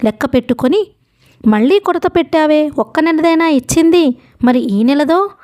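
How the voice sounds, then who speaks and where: A woman voicing a coarse, bullying male loan collector who shouts rudely, in a storybook reading. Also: sits high, expressive, normal speed, pitched above the performer's own voice. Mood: rough, scornful. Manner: loud, rude, shouting.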